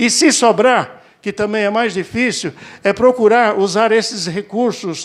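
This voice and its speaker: This man speaks fairly slowly, his voice pitched high. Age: 60s. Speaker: pastor. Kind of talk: sermon.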